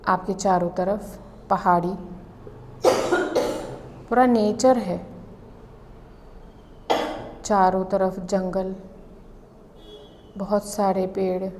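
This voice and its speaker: A woman guides a meditation very slowly, with a mid-range pitch. She gives calm instructions in short phrases and leaves long pauses between them. There is some background noise in the recording.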